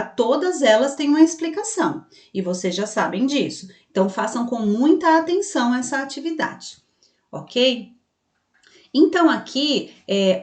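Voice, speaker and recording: A woman teaching a children's spelling lesson online, patiently explaining step by step and voicing the pupils' questions herself. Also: a little high. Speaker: primary school teacher. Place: room with a passing truck heard outside. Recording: echoey room.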